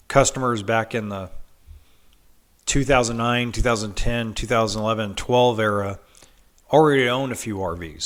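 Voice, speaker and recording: A man with a head cold hosting a podcast, telling a story in a casual monologue, full of ums and restarts. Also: medium pitch. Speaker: podcast host.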